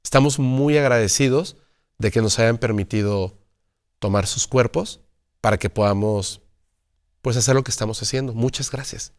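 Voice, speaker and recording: Casting: calm, grateful alien couple wearing human bodies, voiced by a man telling a story, even and matter-of-fact. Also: medium pitch, moderate pace, close to an everyday voice.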